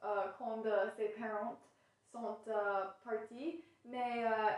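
A teenage girl with an American accent, chatting haltingly in a second language with many fillers and restarts. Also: on the high side, flat delivery, a little mellow. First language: English. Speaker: student podcaster. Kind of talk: casual chat in learner French. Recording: echoey room, distant from mic.

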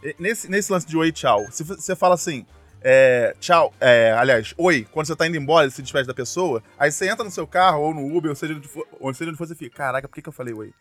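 A man's voice: on the high side, fast, fairly bright tone, no room sound, faint music behind. A man co-hosting a podcast, chatting casually with wry, joking asides. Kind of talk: casual chat.

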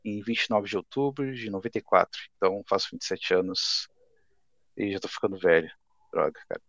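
A man's voice: fairly low pitch, a little fast, fairly bright tone, dry recording, dull audio. A man in his twenties, a guest artist, chatting casually and laid-back on a podcast. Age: 20s. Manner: laid-back, says "cara" often.

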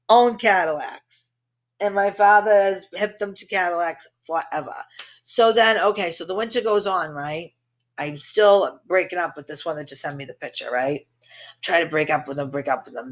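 A woman's voice: on the low side, fairly bright tone. A woman hosting a podcast, telling a family story in a brash, profane way and laughing at her own jokes. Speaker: podcast host. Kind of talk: casual storytelling.

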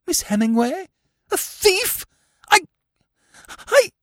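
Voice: mid-range voice, wildly swooping pitch, moderate pace, no echo, clean studio sound. A performer voicing an imperious, easily outraged elderly English aunt, snapping and exclaiming theatrically in an audiobook story. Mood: flustered disbelief.

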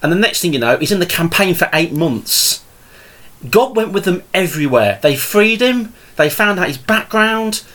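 A man's voice: sits high, animated, moderate pace, fairly bright tone. A man in his thirties hosting a casual solo podcast, rambling along with plenty of fillers and restarts. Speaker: podcast host and game master.

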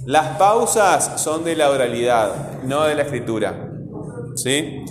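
A man's voice: mid-range voice, very animated, slow pace, faint music behind. Man teaching in an echoey classroom. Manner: quizzes pupils, tags lines with a questioning "right?". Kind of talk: classroom lesson. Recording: echoey room with long reverb, faint noise.

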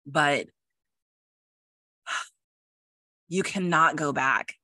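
Woman, podcast host, bright voice, dry sound, reflective casual talk, emphatic repetition. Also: deep voice, drawn-out words, no room sound. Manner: emphatic, repeats phrases for emphasis.

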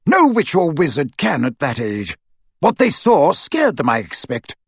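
Storybook old wizard as a man acts him out: cynical, gruff, husky, pitched up and scornful. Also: wildly swooping pitch, measured pace, no echo, heavily acted. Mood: bitter, heated. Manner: rough, terse, scornful.

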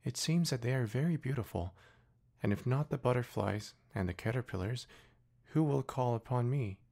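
A man's voice: mid-range voice, moderate pace, creaky, darkish tone, voice pushed up. A man reading an audiobook voices a proud, delicate young female flower with a pleading yet haughty manner. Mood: proud, wistful. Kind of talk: audiobook character voice.

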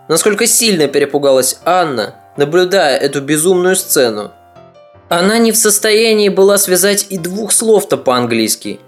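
A podcast narrator reading a scripted history story in a measured, slightly ironic way. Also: mid-range voice.

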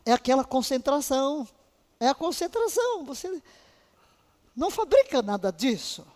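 A woman Bible teacher giving a fervent, emotional lesson on intercession, now and then breaking into soft laughs. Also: high voice, very animated, normal speed. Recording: long hall reverb.

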